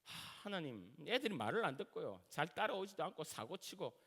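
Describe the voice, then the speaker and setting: A middle-aged male pastor with a Gyeongsang accent, preaching in a high, bright voice that leaps up and down in pitch. He talks colloquially and acts out everyday scenes as he goes. The long reverb of a church sanctuary trails after each phrase. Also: very animated, brisk, slightly rough. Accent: Gyeongsang Korean. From Gyeongsang region, South Korea. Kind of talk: sermon.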